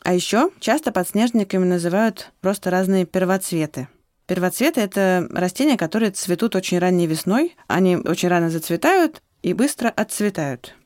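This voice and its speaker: A woman's voice: lowish voice, animated, brisk, darkish tone, no room sound, studio quality. A woman co-hosting a children's podcast, explaining things conversationally like a teacher. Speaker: podcast co-host, biology teacher.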